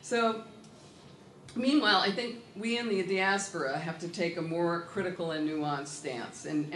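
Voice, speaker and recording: Man, slightly high voice, prepared remarks in a reverberant hall with light hiss. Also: fairly bright tone. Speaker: speaker at an award ceremony. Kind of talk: prepared speech with quotations. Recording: echoey hall with faint hiss.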